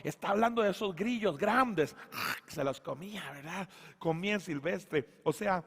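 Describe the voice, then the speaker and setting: Man, pastor, lively sermon, high gravelly voice, husky edge. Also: normal speed. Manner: animated storytelling, voices characters, booming emphasis. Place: church sanctuary.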